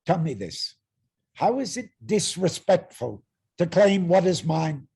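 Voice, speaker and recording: Gravelly, menacing herald of Greek tragedy. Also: male voice, fairly high pitch, big pitch swings, unhurried, dark tone, heavily acted. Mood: defiant. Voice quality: gravelly, rasping. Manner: threatening, declamatory. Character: menacing, arrogant herald claiming women as property. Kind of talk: dramatic reading of ancient Greek tragedy. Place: online video-call reading.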